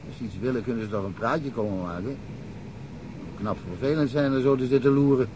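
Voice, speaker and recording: An actor playing a talkative middle-aged provincial police detective in a radio drama, telling wry stories and chuckling often. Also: male voice, medium pitch, a little fast, noisy background, lightly acted. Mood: amused, chatty.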